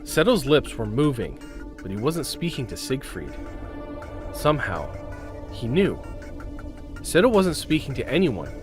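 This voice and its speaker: A man's voice: medium pitch, very animated, unhurried, pauses often, over music. A man narrating a scripted audio drama with intense, suspenseful delivery, broken phrase by phrase.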